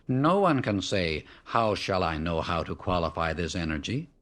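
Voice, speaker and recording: A man narrating a scripted spiritual discourse as an audiobook, solemn and measured, setting out short phrases with emphasis. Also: low voice, expressive, fairly bright tone. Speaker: audiobook reader.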